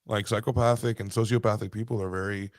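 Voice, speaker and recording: A man's voice: on the low side, fairly even intonation, fast talker, dry recording. Joking, swearing man co-host. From Cuba. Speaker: podcast co-host. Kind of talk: casual podcast chat.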